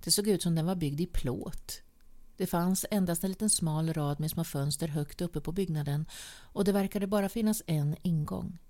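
Woman narrating a story, lowish gravelly voice, calm and steady, sometimes whispery. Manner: measured, at times dropping to a whisper. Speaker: audiobook reader. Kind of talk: scripted narration of a short story.

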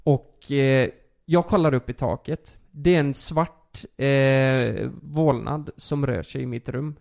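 A young man casually telling a story on a podcast, animated, with many fillers and curses. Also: medium pitch, gravelly.

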